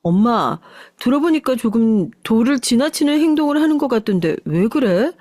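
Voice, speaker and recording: A woman's voice: fairly high pitch, expressive, normal speed, a little mellow, no room sound, clean studio sound, voice pushed up. A woman voicing a devoted grown daughter who earnestly coaxes her mother in a radio story reading. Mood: coaxing. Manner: earnest, slightly raised and coaxing. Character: devoted adult daughter, worried wife.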